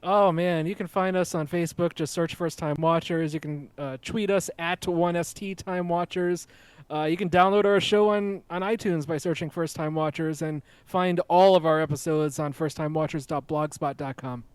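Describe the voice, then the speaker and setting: A man's voice: fairly high pitch, fairly even intonation, moderate pace, smooth, no echo. Teasing male podcast guest, dry sound. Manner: teasing, playful. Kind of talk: casual podcast banter.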